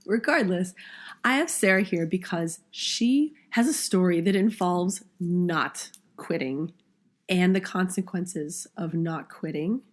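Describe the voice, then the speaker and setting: A woman hosting an interview podcast, hoarse and strained after losing most of her voice to allergies, chatty and quick to laugh at herself. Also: fairly low pitch. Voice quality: strained, husky. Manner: laughs often, self-deprecating. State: hoarse, nearly lost voice from allergies. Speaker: podcast host. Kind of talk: casual interview chat.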